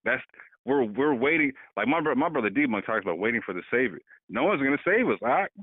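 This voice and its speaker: A man making his case in an animated way, often stumbling over repeated words as he pushes a point. His voice sits at a middle pitch and sounds dry, with the thin, tinny quality of a phone line. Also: fast, no room sound. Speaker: podcast co-host. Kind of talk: casual political discussion.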